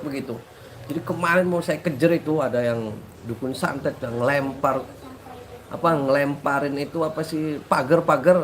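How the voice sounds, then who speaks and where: Talking to followers during a casual live stream with chanted sholawat, a congested-sounding male preacher rambles and repeats himself, sprinkling in local words. His voice is a little high, with slight background noise.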